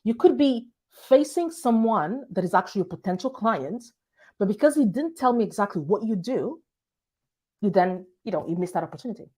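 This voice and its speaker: A woman with a light, hard-to-place foreign accent that carries a hint of British, speaking straight to her viewers. Her delivery is conversational and story-driven, as she gives business advice as a marketing strategist. Her voice sits at a middle pitch for a woman. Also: animated, fairly quick, mellow, breathy edge. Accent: light hard-to-place foreign accent with some British touches. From Portugal. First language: Portuguese. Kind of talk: business advice talk to camera.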